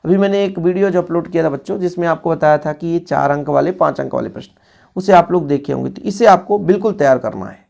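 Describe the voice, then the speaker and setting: A man's voice: on the high side, fast talker, gravelly, darkish tone, lo-fi sound. A male physics teacher, going over exam revision questions in a casual, brotherly tone and talking straight to his students.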